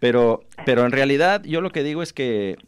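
A man's voice: mid-range voice, lively intonation, brisk, clear, resonant tone. A man from Mexico whose accent mixes Mexican and Spain Spanish, a guest on a radio show, explaining his ideas at length with self-deprecating humor. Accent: Mexican mixed with Spain. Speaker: radio guest, writing workshop teacher. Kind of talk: radio interview. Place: radio studio.

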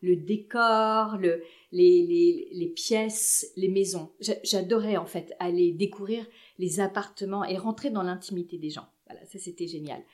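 A woman's voice: lowish voice, moderate pace, a little mellow. A woman in her forties, a podcast guest, telling casual anecdotes in a chatty, hesitant way with many restarts.

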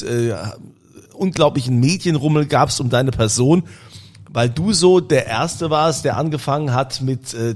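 A man co-hosting a casual wine-bar talk, interviewing in a friendly, hesitant way with fillers. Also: medium pitch. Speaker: podcast co-host. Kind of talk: casual chat.

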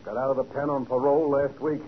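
An actor playing a blunt, plain-talking homicide sergeant in a 1940s radio drama, using slangy tough-cop talk. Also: male voice, medium pitch, flat delivery, fast talker, natural voice. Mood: matter-of-fact. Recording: dull, noisy 1940s radio recording.

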